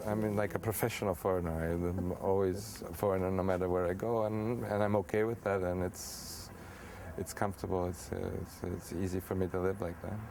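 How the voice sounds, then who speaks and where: Easygoing American man with a low voice. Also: little pitch movement, a little fast, a little mellow, a little hiss or hum. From United States. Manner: easygoing, rambling, with many fillers and restarts. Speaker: interview guest. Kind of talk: casual documentary interview.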